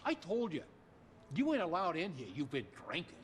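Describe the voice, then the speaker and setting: An actor playing an exasperated but concerned streetwise older friend, scolding colloquially in a video game. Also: male voice, fairly high pitch, wildly swooping pitch, moderate pace. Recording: long reverberant hall, faint noise.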